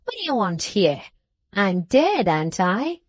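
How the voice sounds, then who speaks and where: A woman's voice: medium pitch, sing-song, measured pace, no echo. Woman acting a malicious, drawling dwarf husband. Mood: mocking, spiteful. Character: malicious, gleeful dwarf husband, menacing and mocking.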